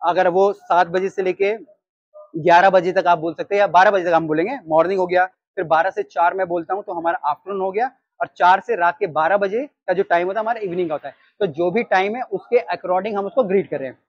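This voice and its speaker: A man in his thirties with an Indian accent, teaching restaurant staff how to take orders in an animated way. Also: high-pitched, brisk, dry recording, muffled recording. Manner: animated, gestures while reading from a sheet. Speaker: restaurant trainer. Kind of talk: training talk. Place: storefront of a small takeaway, outdoors. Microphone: lapel mic.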